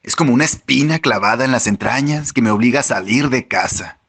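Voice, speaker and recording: A weary, blunt seduction guru speaking offhandedly, as a man reads him in an audiobook. It stays close to the narrator's own bright, forward voice at an ordinary pitch. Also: a little fast, breathy edge. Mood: frank.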